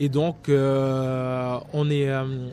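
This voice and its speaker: A man with a Cameroonian accent over noticeable background noise. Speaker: student. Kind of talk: radio interview. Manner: hesitant, many fillers.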